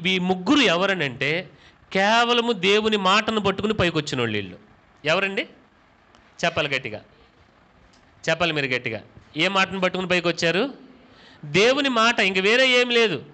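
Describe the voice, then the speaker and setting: A man's voice: sits high, sharp tone. A man preaching a church sermon as pastor, calling out questions to the congregation and repeating words for emphasis.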